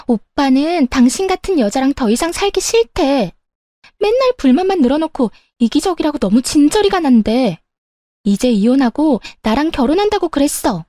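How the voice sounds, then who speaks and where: A woman's voice: high-pitched, lively intonation, moderate pace, warm tone, no room sound, studio quality, voice pushed up. A woman voicing a smug, defiant young mistress in a taunting manner.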